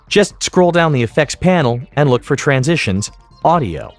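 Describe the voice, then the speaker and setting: A man narrating a software tutorial as an instructor, explaining each step methodically. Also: fairly high pitch, big pitch swings, moderate pace, soft background music. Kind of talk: instructional screen-recording narration.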